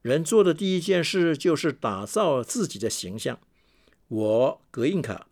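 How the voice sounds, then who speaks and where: A man speaking as a meditation teacher in a translated sermon read as voice-over, measured and repeating key phrases for emphasis. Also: fairly high pitch, big pitch swings, a little mellow.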